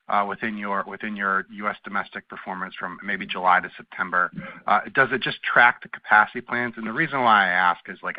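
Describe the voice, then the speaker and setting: A man asking questions as a financial analyst on an earnings call. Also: low-pitched. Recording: dull conference call line.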